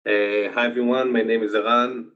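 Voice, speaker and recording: A man with an Israeli accent giving a conference presentation remotely, speaking haltingly with many filler sounds. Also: mid-range voice, flat delivery. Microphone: video call. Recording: dull lo-fi video call audio.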